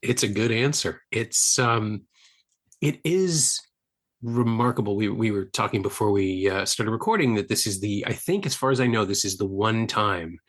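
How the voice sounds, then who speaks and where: A man's voice: lowish voice, moderate pace, fairly bright tone. A man in his fifties hosting a podcast, chatting casually about films in a wry, talkative way. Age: 50s. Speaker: podcast host. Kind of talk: casual film chat.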